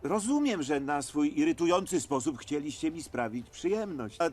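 Exasperated ogre with swooping pitch. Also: male voice, expressive, moderate pace, a little mellow, faint music behind. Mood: weary, sarcastic. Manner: exasperated, sarcastic. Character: irritable, weary male ogre in an animated film.

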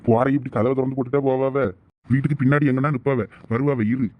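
A man's voice: medium pitch, little pitch movement, fast, narrow, tinny audio, lightly acted. A man playing a patient village husband, chiding and reassuring in a Thoothukudi Tamil accent.

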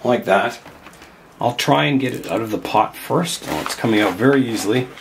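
Working with his hands inside a glass greenhouse, an older bonsai channel host with a cold-roughened, hoarse voice chats casually and thinks aloud. He speaks at a medium pitch and moderate pace. The recording is very noisy.

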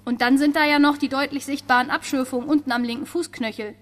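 A woman playing a brisk, dryly teasing forensic pathologist in a crime audio drama, with a clinical manner. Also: sits high, steady tone, a little hiss or hum, lightly acted.

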